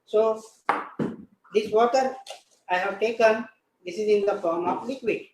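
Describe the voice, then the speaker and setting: A man with an Indian accent hosts a live science demonstration, explaining deliberately and repeating his phrases and questions. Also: high voice, darkish tone. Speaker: science show host. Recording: echoey room, faint background noise.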